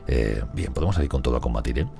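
A man's voice: a bass voice, expressive, racing, gravelly, music in the background. A man with a Spain Spanish accent giving rambling, chatty gameplay commentary and talking to his characters. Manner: rambling, chatty, talks to colonists. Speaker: gaming streamer. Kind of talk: casual let's play commentary.

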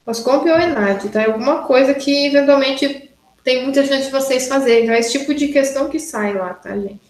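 A woman's voice: high-pitched, brisk, a little mellow, echoey room, slight background noise, rough recording. A woman university lecturer teaching an online class, working through exercises step by step and checking in with students often. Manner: explains step by step, frequent "né?" and "tá?" checks.

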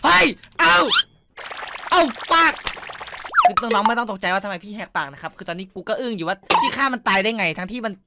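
A young man giving excited, crude gameplay commentary as a streamer, boasting and shouting at opponents. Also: high-pitched, racing, hardly any pauses, heavy background noise. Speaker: gaming streamer. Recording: music heard clearly behind the voice. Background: game music.

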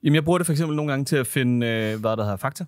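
A man co-hosting a podcast in casual chat, who mumbles a little and rushes his words. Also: mid-range voice, no room sound. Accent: Danish. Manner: mumbles and talks fast, words tumbling. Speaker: podcast co-host. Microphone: studio microphone.

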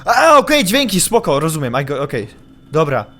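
A young man commenting on a horror game he is playing, excitable, yelping when startled and muttering while he sneaks. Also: on the high side, moderate pace, slight background noise. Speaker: gaming YouTuber.

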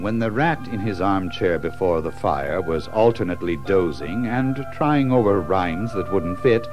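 A man narrates a storybook with theatrical suspense. His medium-pitched voice rises and falls widely, with faint music underneath. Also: darkish tone. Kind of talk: dramatic scripted storytelling.

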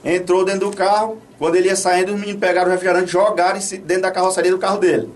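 A Brazilian man hosts local radio from a small studio, offering informal commentary and shout-outs in an outspoken, colloquial way, repeating himself often. His high voice is flat and rapid-fire. He wears headphones and sits slightly distant from a studio boom mic placed off to one side.

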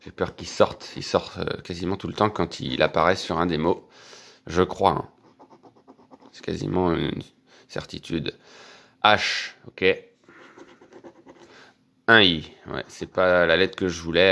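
A man, quietly commenting as he scratches lottery tickets for his channel. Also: low voice, unhurried, gravelly, pauses often. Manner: quiet running commentary, excited when winning. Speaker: scratch-card vlogger.

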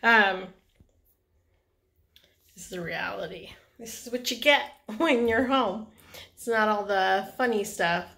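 Bright-voiced woman vlogging at home, slow rambling. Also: mid-range voice, creaky. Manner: rambling, frustrated, many fillers and laughs. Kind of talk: casual vlog chat.

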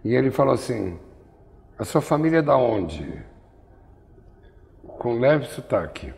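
A man's voice: medium pitch, big pitch swings, takes it slowly, vocal fry, a little mellow, big-room sound. An older man from Brazil interviewing in an artist's studio on a lapel mic, telling wry, digressive stories. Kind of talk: rambling conversational interview.

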